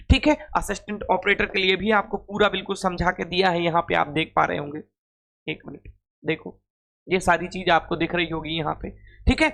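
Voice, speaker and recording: A man's voice: high voice, a bit bright. A man teaching an informal exam-prep class, repeating phrases and asking questions that he then answers himself.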